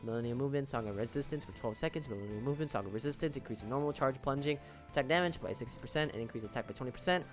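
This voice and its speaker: A man's voice: medium pitch, very fast, soft background music. A man giving casual, conversational gaming commentary, explaining things informally as a video creator. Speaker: gaming video creator reviewing game banners.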